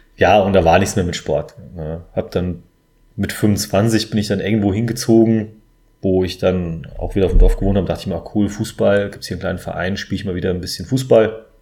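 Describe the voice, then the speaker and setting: Fairly low in pitch, a man speaks at a moderate pace in a dark, mellow tone with fairly even intonation. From Hesse, Germany (Hofheim). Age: 30s. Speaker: amateur triathlete, IT worker. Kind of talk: interview. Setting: studio, sitting across from host.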